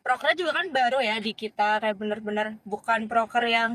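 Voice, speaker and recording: A woman's voice: fairly high pitch, brisk, fairly bright tone, dry recording. A young woman from Central Java, a first-year student guest who talks at length in an earnest, chatty way. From Central Java, Indonesia. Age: young adult. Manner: talkative and earnest, often saying "honestly". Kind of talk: casual chat.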